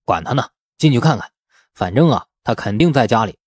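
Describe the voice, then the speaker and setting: A man voicing an easygoing, husky village man. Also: medium pitch, expressive, fairly quick, dry recording, studio quality. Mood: breezy.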